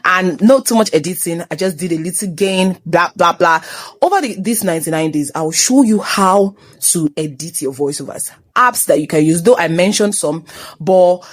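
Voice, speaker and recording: A woman's voice: on the low side, normal speed, no echo. A young woman with a Nigerian accent hosting a motivational talk, moving between English and Pidgin, teasing and scolding her listeners. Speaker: host. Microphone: phone.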